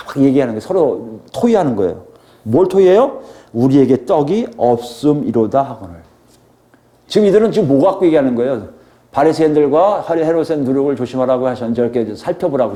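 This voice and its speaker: Animated high-pitched male pastor preaching. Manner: animated, acts out quoted scolding with sudden loud jumps; rhetorical questions to the congregation. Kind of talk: expository sermon.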